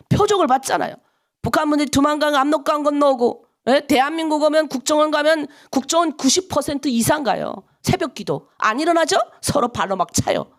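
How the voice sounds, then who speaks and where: A middle-aged woman pastor with a North Korean accent preaches at a dawn prayer service. Her voice sits high, and her pitch swings widely as she talks. She delivers the sermon in an animated way and acts out the voices of people in her stories. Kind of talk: early-morning prayer sermon.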